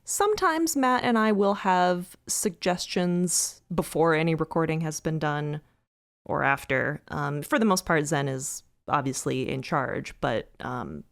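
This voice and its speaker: Female panel guest, clearly low pitch, measured and thoughtful, conversational. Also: lively intonation. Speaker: podcast creator, panel guest. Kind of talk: casual roundtable discussion.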